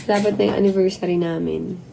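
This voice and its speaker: A hoarse woman hosting a casual live stream into her phone, chatting affectionately with viewers and mixing Tagalog with English. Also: fairly low pitch, steady tone, fast talker, noisy background. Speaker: livestream host.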